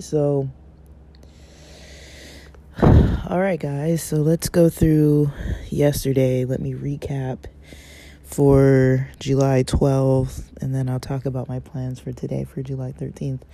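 A man hosting a casual morning podcast, raspy from just waking up, rambling with lots of fillers. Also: fairly high pitch, dark tone. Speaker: podcast host.

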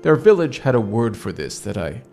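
Male tabletop storyteller, low and animated, formal measured phrasing, faint music behind. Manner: formal, measured, halting wording. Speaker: player in a tabletop roleplaying game. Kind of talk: improvised in-character storytelling.

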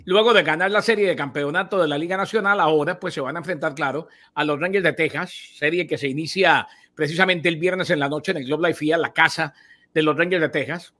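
Bright high-voiced playful man. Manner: playful, teasing, then quick stats rundown. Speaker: sports podcast co-host. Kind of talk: casual sports podcast chat.

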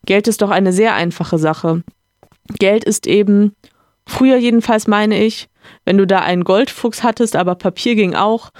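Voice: medium pitch, moderate pace, darkish tone, dry recording, clean studio sound, close to an everyday voice. A podcaster reading a novel aloud, voicing an agitated, protesting cavalry captain who stammers in a raised voice. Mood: indignant flustered. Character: indignant cavalry captain, flustered older man.

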